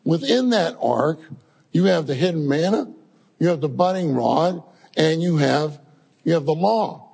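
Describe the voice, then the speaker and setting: Male preacher, high and gravelly, storytelling sermon to the congregation. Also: a little slow, big-room sound. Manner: animated storytelling, addresses congregation as saints.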